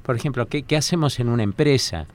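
A man explaining his coaching work as a radio guest in a studio, measured and explanatory. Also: mid-range voice. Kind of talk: radio interview.

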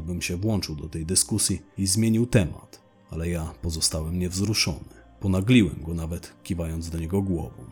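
Male narrator, deep, husky, blunt and slangy, telling a crime tale over quiet music. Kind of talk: first-person crime story narration.

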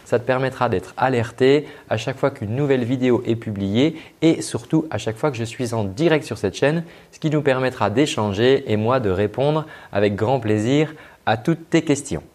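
Man, vocal coach, mid-pitched voice, spoken lesson, hesitant fillers, demonstrates voice styles. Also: normal speed. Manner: demonstrates flat and lively speaking voices; frequent hesitations with euh.

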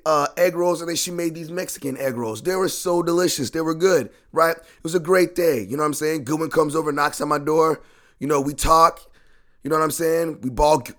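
A man with a worn, hoarse voice, ranting on a sports podcast. His pitch sits in the middle of the male range. He keeps circling back to the same complaints with exasperated swearing. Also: a bit bright. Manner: frustrated, profane, repetitive ranting. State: hoarse, lost voice. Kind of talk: solo ranting sports talk.

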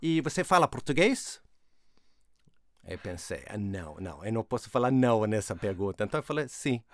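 A middle-aged Swedish man with a Swedish accent, speaking as a guest in an interview and telling a story with hesitant pauses and restarts. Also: fairly low pitch, very animated, no room sound, studio quality. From Sweden. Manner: hesitant, with many fillers and restarts.

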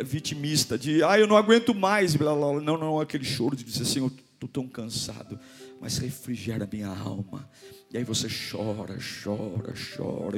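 A male pastor preaching a sermon, moving between hushed pleading and loud, fervent exhortation. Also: mid-range voice.

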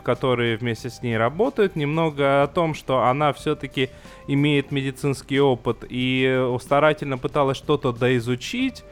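A man with a somewhat high voice gives his review of a TV episode in a loose, rambling way. He pauses often and fills the gaps with hesitation sounds. Faint music plays underneath. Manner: rambling, with many fillers. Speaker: podcast co-host. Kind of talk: casual TV review chat.

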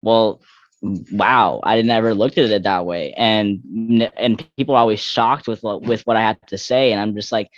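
A man's voice: on the low side, steady tone, normal speed, muffled recording. A young trans man in his twenties, a guest in a candid interview, talking reflectively with frequent fillers and restarts. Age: young adult.

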